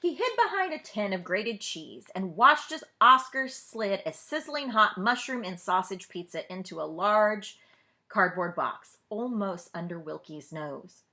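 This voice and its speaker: Librarian lady doing a read aloud for kids, super lively pitch, bright voice, chats to the listeners. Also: measured pace. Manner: expressive, addresses young listeners with questions. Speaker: librarian storyteller. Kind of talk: children's read-aloud narration.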